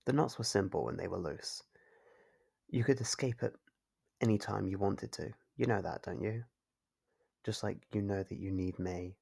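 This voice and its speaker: A man playing a calmly controlling, doting yandere kidnapper in an ASMR roleplay, speaking in a measured, formal, fussily caring way. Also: deep voice, gravelly, breathy edge, exaggerated voice. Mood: tender, possessive. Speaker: voice actor.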